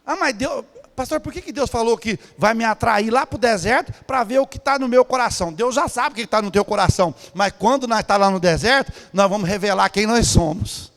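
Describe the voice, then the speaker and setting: A male pastor with a Brazilian Portuguese accent, preaching a sermon that swings between soft passages and shouting. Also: high-pitched, fairly quick, few pauses. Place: large church hall. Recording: church hall with long reverb.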